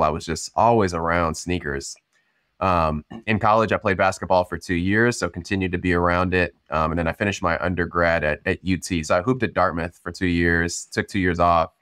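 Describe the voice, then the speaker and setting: A man born in Cameroon, a startup founder, talking through his story in a relaxed, chatty way with lots of ums and you-knows. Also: low voice, dry recording, clean studio sound. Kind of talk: casual storytelling interview.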